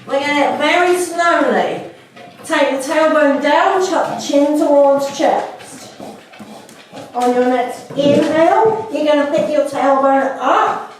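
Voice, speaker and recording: High-voiced woman, echoey room. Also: slight background noise. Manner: warm, unhurried cueing. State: slightly stuffy from a cold. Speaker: fitness instructor. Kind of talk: guided workout instruction. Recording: echoey room, mic at a distance.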